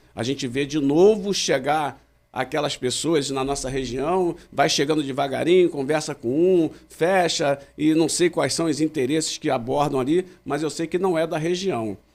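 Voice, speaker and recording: An ordinary speaking voice moves at a fairly slow pace with hardly any pauses and ordinary pitch variation, in a very clean recording with a silent background. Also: man, fairly high pitch for a man. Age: 60s. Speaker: local politician. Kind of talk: podcast interview.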